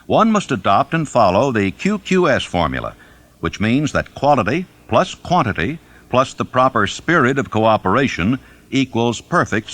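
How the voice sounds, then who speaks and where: A man reading a self-help book as a scripted narration, deliberate and emphatic in his delivery. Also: medium pitch, fairly bright tone. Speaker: audiobook narrator.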